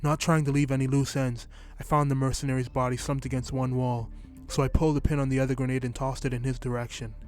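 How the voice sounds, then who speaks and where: A man reading a short story in scripted first-person narration, telling it at a steady, even pace. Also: medium pitch, fast, hardly any pauses, faint music behind.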